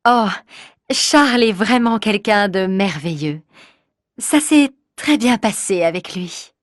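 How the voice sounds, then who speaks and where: A woman reads a scripted interview role for language learners, unhurried and deliberate. Her delivery is very slow, mid-pitched, and recorded dry and close. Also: expressive, dry recording. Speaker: voice actor and title announcer.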